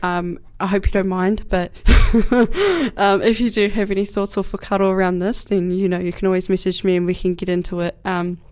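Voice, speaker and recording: A woman's voice: mid-range voice, fairly even intonation, moderate pace, darkish tone, smooth. A young woman from New Zealand, speaking with a New Zealand accent, hosts her community radio show with a cold, in a rambling, casual way full of fillers and restarts. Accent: New Zealand English. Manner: rambling, many fillers and restarts, laughs often. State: has a cold. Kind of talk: casual solo radio talk. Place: radio studio.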